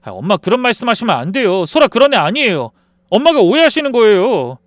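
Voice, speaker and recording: A man's voice: sits high, big pitch swings, fast talker, no echo, clean studio sound, pitched above the performer's own voice. A man voicing a defensive adult son who pleads with his mother and protests in whiny tones, in a dramatized story reading. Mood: pleading.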